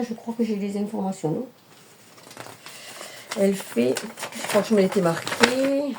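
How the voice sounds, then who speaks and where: Warm-voiced woman chatting hesitantly. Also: mid-range voice, a little hiss or hum. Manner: hesitant, many fillers and self-corrections. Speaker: cross-stitch vlogger. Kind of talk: casual show-and-tell chat.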